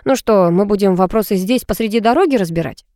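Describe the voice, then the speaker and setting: A woman's voice: mid-range voice, quick pace, mellow, no room sound, clean studio sound, natural voice. A woman reading a cocky teasing young guy. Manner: mocking, teasing banter.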